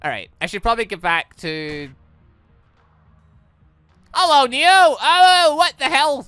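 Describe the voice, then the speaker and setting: A British gaming video host giving excitable, exclaiming commentary while playing through a game and reading it aloud. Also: high voice, slow, no echo, soft background music. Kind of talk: lively playthrough commentary, reading dialogue aloud.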